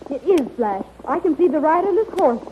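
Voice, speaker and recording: Anxious, high-voiced radio heroine. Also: female voice, expressive, brisk. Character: anxious, devoted young heroine, fretting and jealous. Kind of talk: 1930s radio serial melodrama. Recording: dull, noisy 1930s radio recording.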